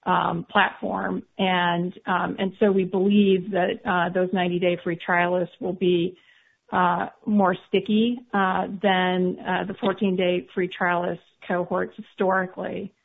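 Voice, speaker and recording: A woman with a fairly low, creaky voice gives a measured executive answer. Her intonation is flat, and the narrow telephone-like sound of a conference call frames every word. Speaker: company executive. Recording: narrow phone-like conference audio.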